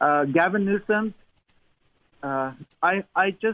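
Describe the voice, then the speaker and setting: A man with a Persian accent speaks with lively intonation, the sound dry and close with no echo. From Iran. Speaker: auto body shop owner. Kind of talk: radio interview.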